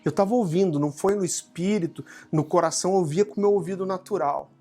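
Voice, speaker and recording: A man's voice: sits high, fast, darkish tone. A Brazilian man preaching, who tells a personal story with humor and animation in a home setting. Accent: Brazilian Portuguese. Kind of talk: sermon testimony. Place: home living room. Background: faint guitar music.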